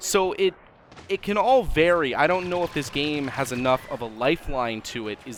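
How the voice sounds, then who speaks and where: A man's lively intonation comes through at a moderate pace despite noticeable background noise. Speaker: gaming YouTuber. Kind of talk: video game review talk.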